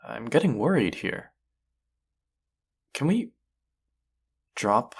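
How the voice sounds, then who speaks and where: Man acting a low, gravelly, slow-spoken chef rival. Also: full character voice. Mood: worried, pleading. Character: combative male chef, exasperated rival turning tender and earnest. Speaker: voice actor in audio roleplay. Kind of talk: intimate dramatic audio roleplay.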